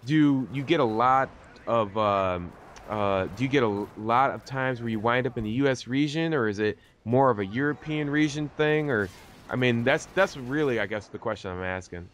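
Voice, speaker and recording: A man's voice: mid-range voice, moderate pace, a bit bright, a little hiss or hum. A man hosting a gaming video in a casual, rambling interview style, using a lot of slang. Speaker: host of a gaming video series. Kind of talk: casual interview over game commentary.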